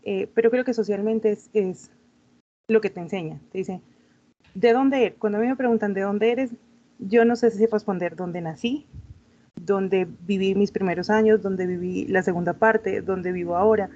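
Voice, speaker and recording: A woman's voice: mid-range voice, normal speed, mellow, dull audio. A woman student reflecting personally during a class discussion, often restarting her phrases as she thinks.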